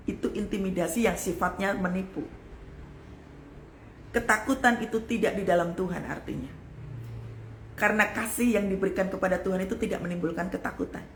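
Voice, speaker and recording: A woman pastor delivers an emphatic, heartfelt sermon, addressing her listeners as "saudara". Her voice sits at an average pitch and swings from loud exclamation down to near-whisper. The recording rings with room echo over a faint background hum. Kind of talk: live-streamed sermon. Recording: echoey room with faint ambient noise.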